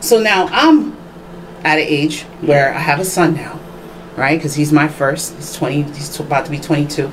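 Over noticeable background noise, a woman speaks at a moderate pace with a very deep, low pitch and fairly even intonation. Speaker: panel guest. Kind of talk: casual panel discussion. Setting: studio.

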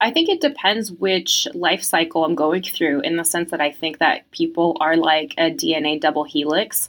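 A woman with an unremarkable speaking voice talks at a fairly low pitch. She uses ordinary pitch variation and hardly any pauses. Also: moderate pace. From France, moved to California at nine. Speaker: podcast guest. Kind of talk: casual interview.

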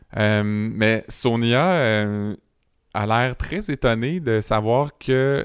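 Fairly even intonation from a man at medium pitch, very clean audio and a silent background. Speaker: podcast host. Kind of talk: casual chat. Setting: studio.

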